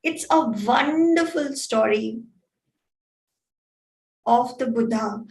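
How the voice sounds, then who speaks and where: A woman wellness coach telling a story slowly and deliberately in a talk. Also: a little high, darkish tone. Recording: echoey room, distant mic.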